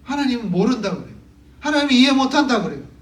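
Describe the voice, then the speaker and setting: A pastor delivers a Sunday sermon in a church sanctuary, his voice extremely high and swinging widely in pitch as he talks fast. He preaches conversationally, posing questions to the congregation and acting out quotes and stories. The recording picks him up from far off in an echoey church hall.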